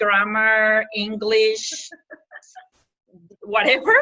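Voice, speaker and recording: A woman's fairly high, bright and sharp voice with a Colombian accent. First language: Spanish. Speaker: motivational speaker. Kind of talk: interview on live webinar. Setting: live video webinar.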